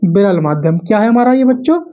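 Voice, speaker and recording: A physics teacher doing exam coaching gives a classroom lesson to camera, recorded in dull, lo-fi audio. His voice is high and animated and he talks fast, repeating key phrases and posing questions that he then answers himself.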